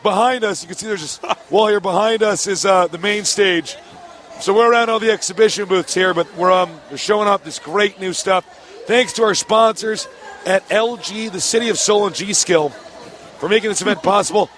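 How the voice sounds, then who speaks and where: A hoarse man casting esports as co-host, joking and upbeat in an exhibition hall. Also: sits high, fairly bright tone. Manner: joking, upbeat, quick asides. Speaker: co-caster and host. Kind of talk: casual esports casting banter. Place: exhibition hall stage area.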